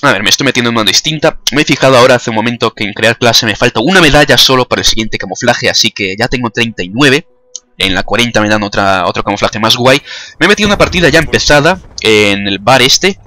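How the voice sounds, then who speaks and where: This young Spaniard narrates his gameplay with jokes and self-mockery, speaking at medium pitch in an animated, quick way. His tone is bright and forceful.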